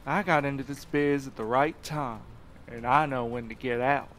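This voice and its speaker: A man's voice: medium pitch, fairly even intonation, normal speed, a bit bright, slight background noise, close to an everyday voice. A man playing a jaded, slangy internet cafe owner in an audio drama, with a brash, casual way of talking. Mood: brash, cynical. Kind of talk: naturalistic audio drama acting.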